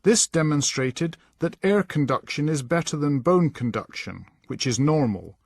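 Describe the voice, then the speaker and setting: Higher-pitched man, dry instructional narration. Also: expressive, measured pace, gravelly, no room sound. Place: dry voice-over recording.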